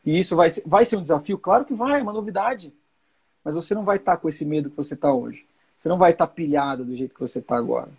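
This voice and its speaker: A man's voice: on the high side, animated, fast talker, a little mellow, husky. A man in his forties hosting a live chat, explaining with reassurance and repeating key points. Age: 40s. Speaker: host.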